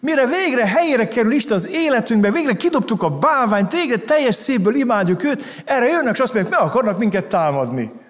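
Pitched extremely high, a man talks at a very fast pace with very wide pitch swings and hardly any pauses, his loudness very even. Noticeable background noise and audible room echo fill the recording. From mountainous region. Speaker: pastor. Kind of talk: sermon. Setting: church.

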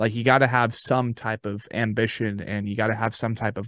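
Over a quiet background, a man with an American accent talks at a fairly quick pace, using a medium pitch and flat, monotone intonation. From Arizona. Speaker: podcast host. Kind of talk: casual interview.

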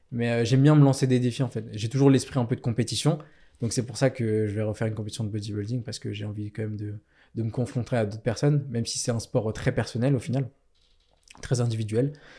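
In a very clean recording with a silent background, a man talks at a very fast pace, somewhat breathy, with medium pitch and fairly even intonation. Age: 20s. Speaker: student bodybuilder and entrepreneur. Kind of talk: casual chat.

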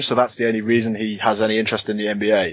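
The speaker has a British accent. The pace is very fast. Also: man. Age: 20s. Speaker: podcast host. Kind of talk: casual podcast chat.

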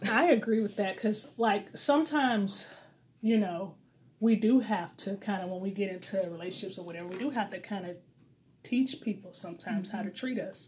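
With an American accent, a woman talks at a fairly quick pace and medium pitch, somewhat breathy, with ordinary pitch variation and big swings in loudness. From US Midwest, St. Louis, Missouri. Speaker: podcast guest. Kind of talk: casual chat.

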